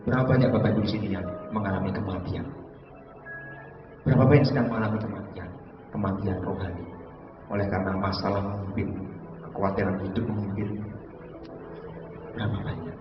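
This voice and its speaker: A man's voice: sits low, fairly even intonation, brisk, pauses often. A man preaching a fervent sermon, addressing the congregation directly. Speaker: pastor. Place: large church hall. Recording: echoey church hall, mic far off, dull, music behind. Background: music.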